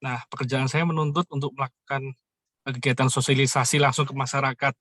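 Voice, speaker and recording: A man from Java with a Javanese accent, asking a question in an online class, hesitant and full of "eh" pauses. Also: mid-range voice, little pitch movement, fairly bright tone, no echo, studio quality. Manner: hesitant, many filler "eh" pauses.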